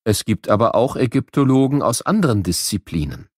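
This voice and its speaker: Male narrator for children's educational audio, measured and explanatory, expressive melody, close dry studio sound. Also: mid-range voice, no room sound.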